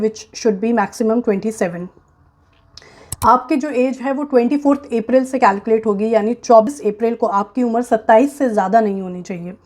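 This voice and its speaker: Her voice slightly high and darkish in tone, an Indian-accented woman walks viewers through a job recruitment guide in a casual explainer. She speaks frankly and with emphasis, dropping English phrases in as she explains.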